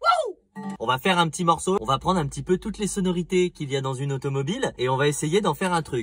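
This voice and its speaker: A very fast delivery with hardly any pauses and ordinary pitch variation, in a dry sound with no echo and faint background music. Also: man, high pitch for a man. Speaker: comic vlogger. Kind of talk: casual vlog chat. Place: car. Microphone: phone near.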